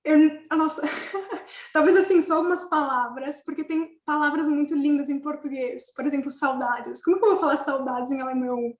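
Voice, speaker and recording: Young woman student guest, high pitch, echoey room, hesitant and giggly. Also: fairly even intonation, moderate pace. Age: young adult. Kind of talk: casual panel chat.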